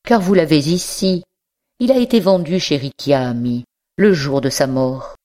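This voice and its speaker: A reader voicing a young male nobleman student, courtly and affable but obsessively insistent, in a slow audiobook reading. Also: mid-range voice, dark tone, natural voice. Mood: courteous. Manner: courtly, insistent, rising to fervor.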